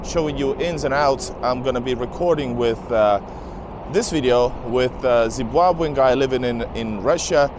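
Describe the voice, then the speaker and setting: A man hosting a casual travel vlog interview outdoors in a city park, chatty and upbeat with filler pauses. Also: mid-range voice, background noise. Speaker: host, travel vlogger.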